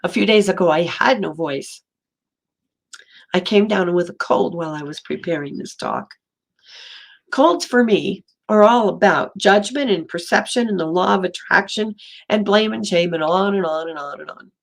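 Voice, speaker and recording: An interim minister, a woman, delivers a gentle storytelling sermon in a slightly hoarse, fairly low voice. For emphasis she slows down, softens and drops nearly to a whisper.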